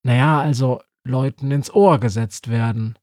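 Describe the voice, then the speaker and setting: A man's voice: mid-range voice, a little slow, a little mellow, no room sound, clean studio sound, natural voice. A man voicing a grumpy, stubborn old female Christmas witch. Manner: cranky, stubborn.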